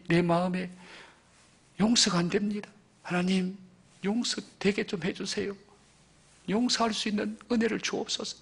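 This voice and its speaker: A Korean senior pastor preaching a Sunday sermon with passion, repeating phrases and swinging from loud emphasis to near whispers. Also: male voice, high voice, slightly rough. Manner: impassioned preaching, rises loud then drops to near whispers.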